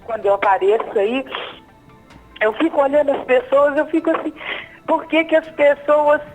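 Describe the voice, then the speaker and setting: 50-ish lady on a phone line, higher voice, keeps repeating herself, bit of music behind. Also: fairly even intonation. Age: 50s. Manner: halting, repeats herself while telling her troubles. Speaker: caller. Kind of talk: live phone call to a TV program.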